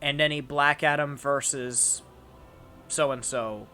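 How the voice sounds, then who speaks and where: A man's voice: mid-range voice, fairly even intonation, slow, bright, forceful tone, soft background music. A young man hosting a casual chat, rambling with lots of fillers and restarts. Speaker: channel host.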